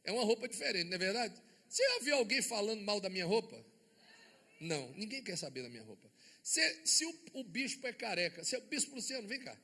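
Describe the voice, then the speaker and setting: Brazilian man, bishop, sermon, rhetorical questions, bright tense voice, husky edge. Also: sits high, very animated, brisk. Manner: emphatic, asks the congregation rhetorical questions. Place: church sanctuary before a congregation. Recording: long church reverb.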